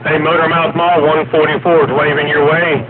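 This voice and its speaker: A man's voice: on the high side, little pitch movement, fairly quick. Florida man on a noisy CB radio. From Central Florida. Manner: friendly, formulaic radio sign-offs. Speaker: CB radio caller. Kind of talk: CB radio chat. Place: home station in Central Florida. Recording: tinny radio signal with loud noise.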